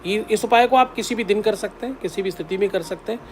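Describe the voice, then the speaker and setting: A man's voice: sits high, fast talker, slight background noise. A man, a spiritual teacher, giving devotional advice in an instructive way, repeating the key steps and intoning mantras.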